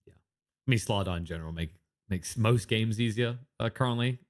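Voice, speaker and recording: A man casting a live esports match, chatting loosely with a co-caster and trailing off into asides. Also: on the low side. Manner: chatty, quick asides, filler-heavy. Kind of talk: live game commentary.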